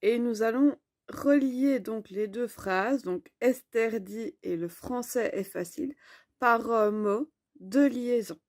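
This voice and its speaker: Slow, patient woman teaching grammar. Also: on the high side, darkish tone, no echo, studio quality. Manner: slow, clear, explanatory. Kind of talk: online grammar lesson.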